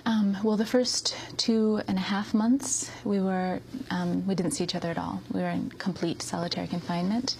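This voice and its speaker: Soft-spoken gravelly woman. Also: medium pitch, fairly even intonation, moderate pace, hardly any pauses, slight background noise. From United States. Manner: hesitant, with many ums and soft laughs. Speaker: interview guest. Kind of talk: soft-spoken interview answers.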